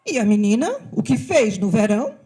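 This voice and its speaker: A woman from voicing a stern, hardworking female ant who barks orders in a scolding, brisk way. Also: mid-range voice, sing-song, husky. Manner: scolding, brisk, loud commands.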